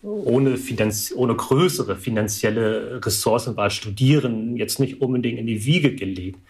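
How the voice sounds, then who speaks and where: A man in his thirties whose first language is Vietnamese, giving measured, analytical interview answers with some hesitations. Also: medium pitch, darkish tone. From Germany. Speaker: guest, alumnus.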